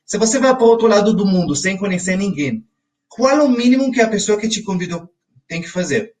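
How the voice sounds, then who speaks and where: A man's voice: high-pitched, lively intonation, quick pace, darkish tone, far from the mic. Israeli-accented man teaching a webinar. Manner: talks straight to his audience, often checking in with "ok?". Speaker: financial educator. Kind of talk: live webinar lesson.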